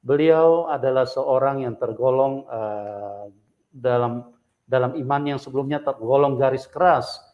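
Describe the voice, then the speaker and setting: A man hosting an interview, speaking slowly and measuredly with many hesitations. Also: medium pitch. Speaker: interview host. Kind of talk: interview, steady backchannel. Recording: dull, muffled sound.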